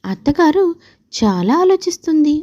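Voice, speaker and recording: A woman narrates a scripted moral story in a high voice with animated intonation. Her tone is mellow, and the recording is slightly dull. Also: measured pace.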